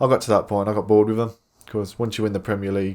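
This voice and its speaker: The man's voice sits fairly low. The recording is very clean, the background silent. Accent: English. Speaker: gaming video creator. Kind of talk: gameplay commentary. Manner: fast; slurred.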